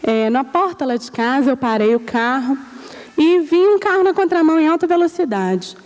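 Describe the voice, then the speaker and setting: Lady telling her testimony at church, animated, acts out the voices, fairly high pitched. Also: moderate pace. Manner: animated storytelling, acting out the people she quotes. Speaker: church member giving testimony.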